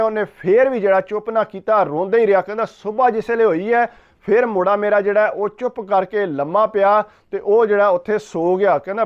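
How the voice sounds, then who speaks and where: A man with a Pakistani Punjabi accent retells a ghost story, putting "he said" before nearly every line. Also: high voice. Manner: repeats "he said" before each line of the tale. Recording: dull, lo-fi recording.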